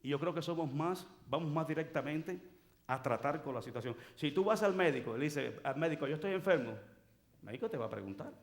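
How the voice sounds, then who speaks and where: Male pastor, lively sermon delivery, slightly high pitch. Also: fairly quick. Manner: animated storytelling preacher, acts out dialogue. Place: church sanctuary.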